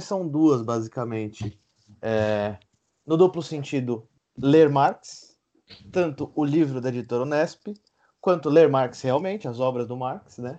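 Very slowly and with long, frequent pauses, a man speaks in a fairly high pitch with a dark, mellow tone and lively intonation. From São Caetano, São Paulo region, Brazil. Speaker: podcast co-host. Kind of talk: casual chat, interview.

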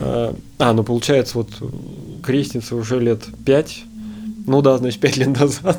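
A man's medium-pitched voice at a fairly slow pace, with long, frequent pauses, ordinary pitch variation and noticeable background noise. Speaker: videographer. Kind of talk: casual chat. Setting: studio.

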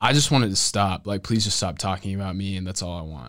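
In a very clean recording with a silent background, a man with an unremarkable speaking voice talks fairly quickly at a fairly low pitch. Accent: American. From US South, Georgia. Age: 20s. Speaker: youth pastor. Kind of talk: casual podcast interview, testimony.

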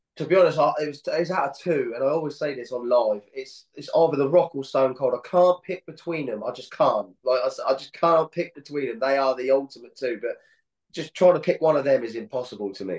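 With a British accent, a man with a fairly high voice talks at a fairly quick pace, with ordinary pitch variation and hardly any pauses. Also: big swings in loudness. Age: 30s. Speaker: wrestling fan and social media creator. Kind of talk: casual chat.

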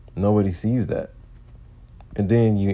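With a dark, mellow tone, a man speaks at a fairly low pitch and a fairly slow pace with fairly even intonation. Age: 20s. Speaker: podcast host. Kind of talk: casual monologue. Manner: halting, many fillers.

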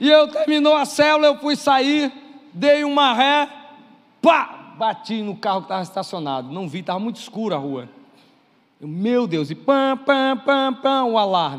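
Speaking at a moderate pace with a Brazilian accent, a man uses an extremely high pitch, lively intonation, an animated tone and big swings in loudness. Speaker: pastor. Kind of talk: sermon.

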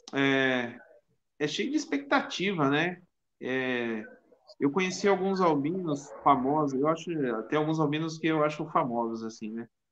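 A man talks at a fairly slow pace in a fairly high pitch, with ordinary pitch variation. It is an ordinary speaking voice. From São Paulo, Brazil. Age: 40s. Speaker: school education administrator, albino. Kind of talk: casual chat.

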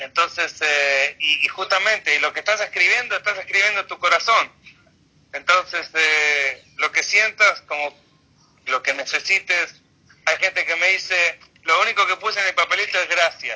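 This man's voice sits high in pitch, with ordinary pitch variation. He talks at a moderate pace. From Argentina, La Plata. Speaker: helper at the Western Wall, religious volunteer. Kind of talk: interview.

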